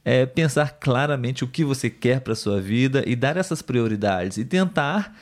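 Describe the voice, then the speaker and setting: A Brazilian man speaks as the host of an educational live chat, at an ordinary middle pitch. He explains things conversationally, hesitates between phrases and often tags them with a question seeking agreement. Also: animated, normal speed. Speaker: host of a Portuguese-learning live show. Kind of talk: conversational teaching, reading viewer comments.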